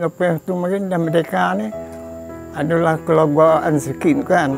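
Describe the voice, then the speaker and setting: Fairly slow speech with ordinary pitch variation and music in the background. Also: man, fairly high pitch for a man. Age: 80s+. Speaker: war survivor. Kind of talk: interview answer.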